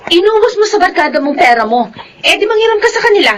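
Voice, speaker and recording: Casting: a defiant mother, high voice that rises and falls, firm. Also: sing-song, quick pace, a little hiss or hum. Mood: stern. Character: long-suffering mother defending her children.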